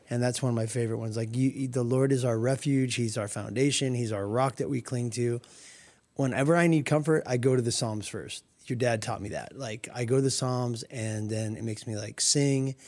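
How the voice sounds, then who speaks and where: A man's voice: mid-range voice, fairly even intonation, normal speed, darkish tone. A man co-hosting a Christian radio talk show, speaking earnestly and reflectively about scripture.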